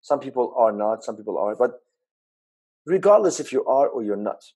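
A man hosts an interview in a mellow, husky voice. He talks haltingly, with frequent pauses and restarts, and keeps checking in with his guest by adding tag questions. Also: mid-range voice, sing-song. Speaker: interview host. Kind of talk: conversational interview.

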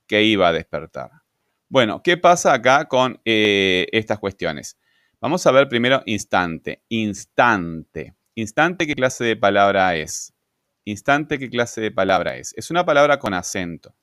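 Low-voiced guy w teaching grammar, asks himself questions, says eh and este a lot, dry sound. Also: a bit bright, no room sound. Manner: asks and answers his own questions, adds tag questions; repeats words, fillers "eh" and "este". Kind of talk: explaining sentence grammar at a board.

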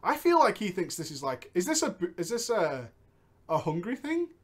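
A man hosting a comedic show, reading viewer stories aloud and bantering with a co-host, laughing often and jumping between loud bursts and quiet asides. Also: sits high, wildly swooping pitch, normal speed.

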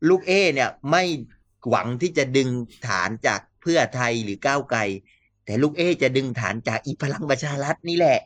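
Brief: male commentator, mid-pitched, dry close sound, lively casual political talk. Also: normal speed, no echo. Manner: animated, mimics quotes, laughs often.

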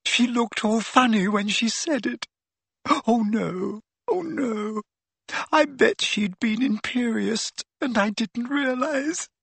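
A man voicing a distraught teenage girl who is sobbing, in a breathy, quavering high voice. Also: takes it slowly, a bit bright, no echo, full character voice. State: crying.

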